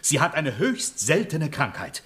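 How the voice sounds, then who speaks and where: A man's voice: a little high, big pitch swings, fairly bright tone. An actor playing a grave, middle-aged male chief physician in a children's radio play. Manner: slow, grave bedside pronouncements.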